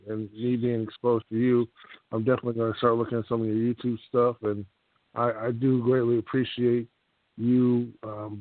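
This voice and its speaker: A man's voice: medium pitch, no echo. Man on a clipped phone line. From California. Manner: earnest, grateful, searching for words. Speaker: radio show caller. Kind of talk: casual call-in chat. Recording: tinny, dry phone line.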